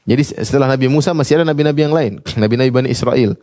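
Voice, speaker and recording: A man's voice: mid-range voice, racing, darkish tone, no room sound, studio quality. A man giving a religious lecture as a preacher. He recites Arabic passages and translates each one, and he puts questions to his listeners. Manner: quotes Arabic passages then translates them, asks the audience questions. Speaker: Islamic preacher.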